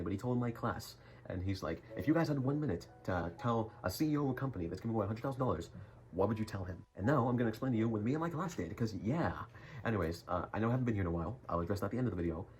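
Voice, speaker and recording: A man's voice: lowish voice, expressive, racing, darkish tone. A young man telling a rambling school story in a casual vlog, full of jokey, self-mocking asides. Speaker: YouTuber. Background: music.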